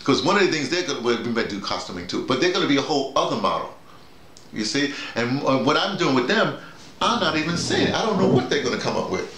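A middle-aged man talks through his ideas as a workshop leader, with pitch that swings widely. He is emphatic, repeating words and acting out little examples. The sound is roomy, with some echo. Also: big pitch swings, fast talker, fairly bright tone. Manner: emphatic, illustrating points with acted-out examples and repetition. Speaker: audio drama workshop leader. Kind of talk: animated informal discussion. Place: small bedroom with bare walls. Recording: roomy, echoey indoor sound.

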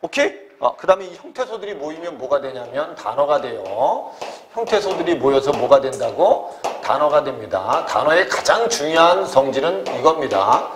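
Lively high-pitched man teaching grammar. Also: a little hiss or hum. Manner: constantly checks understanding with quick tag questions; asks questions and answers them himself. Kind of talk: classroom lecture.

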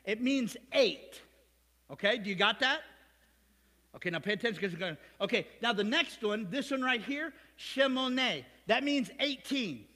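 This sermon comes from a male pastor with an American Midwest accent and a fairly high voice for a man, speaking in a church sanctuary. His animated delivery is full of jokes and asides to the people in the pews, carried on a long hall reverb.

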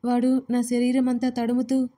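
A woman's voice: fairly high pitch, completely flat delivery, lightly acted. A woman voicing a fragile, tearful young woman. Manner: soft, halting, tearful.

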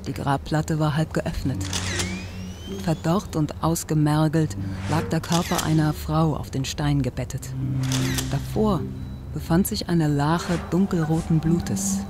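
A man narrating an audio drama in a measured, descriptive storytelling style. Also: on the high side, steady tone. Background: music.

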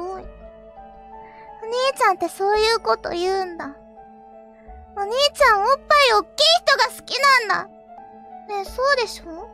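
A woman playing a possessive yandere little sister in a live-stream role-play, with a very high, childlike voice. She dotes sweetly, then grows jealous and menacing, and now and then sinks into hushed whispers. Faint children's music plays behind her. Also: exaggerated voice.

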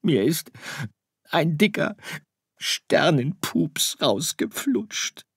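A man's voice: mid-range voice, expressive, a little slow, breathy edge, no room sound, studio quality, voice pushed up. A man voicing a stubborn, whiny little boy star in an audiobook, pouting and complaining. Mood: tearful. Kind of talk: audiobook character voice.

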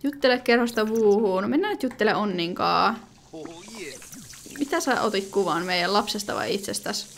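A woman's voice: medium pitch, lively intonation, creaky. A woman giving casual gameplay commentary, chatty and thinking aloud with lots of fillers and sudden exclamations. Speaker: gaming video creator.

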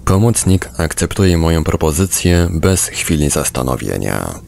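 A man reading book excerpts as scripted narration, in a gravelly voice with a measured storytelling delivery. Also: very deep voice, very animated, darkish tone.

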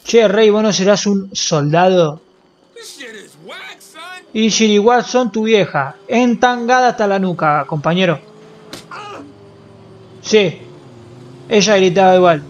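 A man's voice: sits high, takes it slowly, pauses often, muffled recording. A young man with an Argentine accent, streaming a game and joking with crude slang. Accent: Rioplatense Spanish. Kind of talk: casual gameplay commentary.

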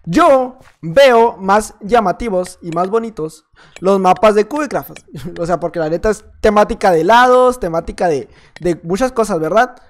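Here the same kind of speaker, a young man with a Mexican Spanish accent who makes gaming videos for YouTube, talks at normal speed in a high voice. He keeps up a chatty, playful running commentary on his gameplay, echoing his own phrases.

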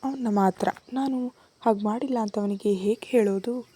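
Husky-voiced woman reading a romance story. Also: medium pitch, normal speed, dark tone. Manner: emotional, earnest. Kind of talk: first-person story narration.

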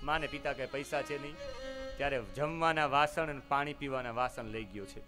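A man's voice: medium pitch, fairly even intonation, a little fast. A man preaching in a devotional storytelling style, telling moral tales with dramatic emphasis. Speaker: religious storyteller. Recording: violin music behind the voice.

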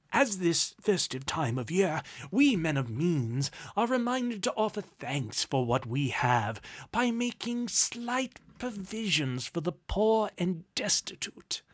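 A man voicing a robust, obsequious gentleman, flustered, wordy and deferential, in a storybook reading. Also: sits high, husky, voice pushed up, full character voice.

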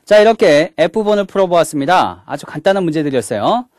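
Man, grammar teacher, video lecture, lively rising and falling voice, dry close sound. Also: fairly high pitch, a little fast, dry recording. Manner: explains step by step, opening each point with "자"; mixes English words into the explanation.

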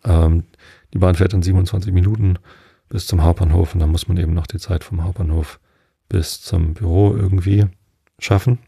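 A middle-aged man from Northern Germany hosting a sleep podcast, musing slowly and softly with many fillers. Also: low voice, fairly even intonation, creaky, husky, no echo, clean studio sound. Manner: slow, soft-spoken, with many fillers. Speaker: podcast host. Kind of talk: calm rambling monologue. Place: at home.

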